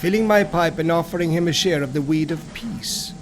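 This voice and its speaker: A man narrates an audiobook in a fairly high male register. The delivery is scripted, literary storytelling with a dramatic bent. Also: fairly quick, a little hiss or hum.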